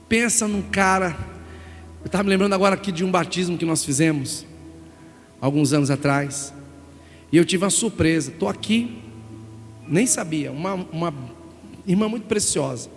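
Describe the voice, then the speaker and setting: Brazilian pastor preaching with gravelly voice. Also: male voice, high voice, normal speed, pauses often. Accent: Brazilian Portuguese. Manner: emotional storytelling, animated, calls listeners "gente". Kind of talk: sermon. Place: church sanctuary. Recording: reverberant church hall with music.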